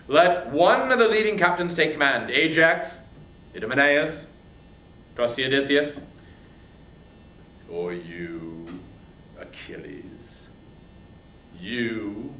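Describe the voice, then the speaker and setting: A man acts out a proud, wrathful king of ancient epic. He declaims slowly and haughtily, his pitch swinging widely as he drops to a hush and rises to thunder, in an echoing room. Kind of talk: dramatic reading of epic poetry.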